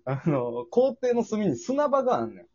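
A young man with a Kansai accent, a comedian co-hosting a casual chat, telling a story with lively acted-out quotes. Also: sits high, moderate pace. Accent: Kansai Japanese. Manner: animated storyteller, acts out quoted voices. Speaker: comedian podcast co-host. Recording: dull lo-fi audio.

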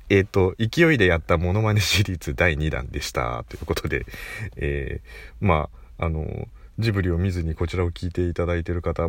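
A man hosting his own casual solo talk show, chatty and animated, laughing at himself as he rambles. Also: a bass voice, no echo. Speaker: podcast host.

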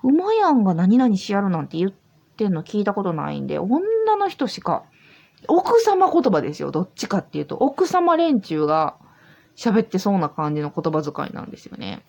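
A tipsy woman with a Kansai accent rambles cheerfully through her solo podcast. Her voice has a gravelly edge, and her pitch swoops up and down as she talks. She speaks casually from a room in an old house. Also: sing-song, moderate pace, darkish tone. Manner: chatty, rambling, easygoing. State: tipsy from drinking. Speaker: podcast host.

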